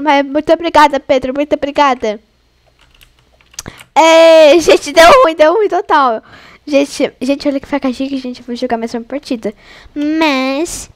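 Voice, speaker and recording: A young Brazilian woman commentating her own online game for her viewers, excitable and chatty, often squealing and laughing. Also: high voice. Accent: Brazilian Portuguese. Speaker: gaming YouTuber.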